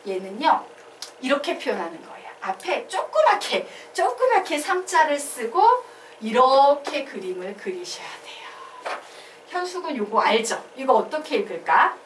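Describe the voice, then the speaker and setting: A high-voiced woman teaches math to a class, her pitch leaping around as she questions students and drills their answers. She sounds far from the mic in a roomy, echoing classroom with a faint hum of noise behind her. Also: very animated, moderate pace. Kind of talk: classroom lecture.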